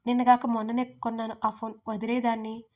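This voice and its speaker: A woman's voice: a little high, little pitch movement, fairly quick, a little mellow, close to an everyday voice. A woman voicing a sulky young man who keeps begging his sister-in-law, in a storybook romance. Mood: pleading. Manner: begging, whiny.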